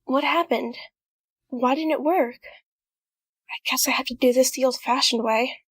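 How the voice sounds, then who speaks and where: A woman's voice: high-pitched, unhurried, husky, dry recording, clean studio sound. A woman playing a determined, scheming young time traveller in an audio drama. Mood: troubled.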